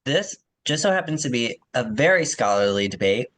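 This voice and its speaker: A man with an average-pitched voice talks as a guest on a literary podcast. He is conversational and thoughtful, explaining ideas and qualifying his own opinions as he goes. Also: very animated, normal speed, a bit bright.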